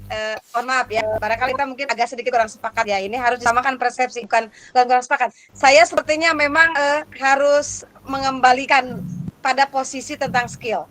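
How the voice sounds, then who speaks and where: High-voiced lively woman lecturer. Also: brisk. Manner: lively, questioning the audience, playful. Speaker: lecturer for teacher exam prep. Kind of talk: interactive workshop lecture.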